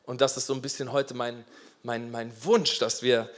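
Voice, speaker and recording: A man preaching a sermon as pastor, passionate and emphatic, with swings between loud urgency and quiet asides. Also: medium pitch, flat delivery, moderate pace.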